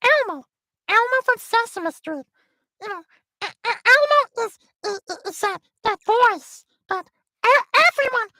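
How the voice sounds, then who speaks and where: A man voicing a childlike puppet monster in a tiny, very high voice that stammers. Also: animated, measured pace, sharp tone, no room sound, studio quality, heavily acted. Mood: sweet. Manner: stammering, giggly.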